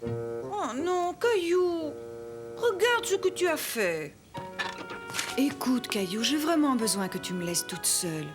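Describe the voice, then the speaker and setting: A woman playing a busy young cartoon mother, loving but easily exasperated, with an expressive, pleading manner. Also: high voice, takes it slowly, pauses often, over music, heavily acted. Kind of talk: cartoon dub acting.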